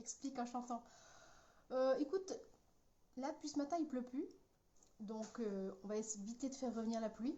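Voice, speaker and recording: Soft-spoken and high-pitched, a woman talks at a moderate pace with ordinary pitch variation and long, frequent pauses. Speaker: craft demonstrator. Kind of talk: live craft tutorial with chat. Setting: Facebook live stream. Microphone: too quiet for viewers.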